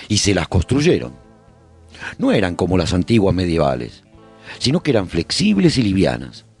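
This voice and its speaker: A man playing a survivor who calmly narrates life in a post-apocalyptic colony for a radio drama, reflective and husky, with pauses. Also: on the low side, full character voice. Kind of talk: scripted first-person radio drama narration.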